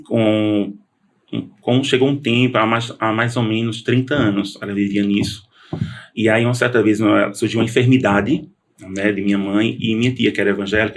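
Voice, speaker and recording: A low-pitched man with a gravelly edge tells his testimony as a podcast guest. He talks earnestly, stopping and restarting his sentences as he goes. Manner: earnest storytelling with many restarts. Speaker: interview guest.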